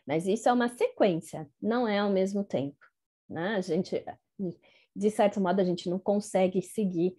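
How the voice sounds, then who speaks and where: Woman lecturer, mellow tone, patient explainer who keeps checking the class follows, video-call sound. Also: medium pitch, moderate pace, breathy edge. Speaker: teacher trainer. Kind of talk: online lecture to teachers. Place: home office in Germany.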